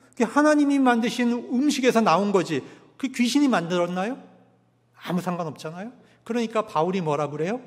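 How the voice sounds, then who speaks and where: A male pastor preaching a sermon, emphatic, swinging from loud peaks to hushed drops. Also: high-pitched. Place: church sanctuary. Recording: long church hall reverb.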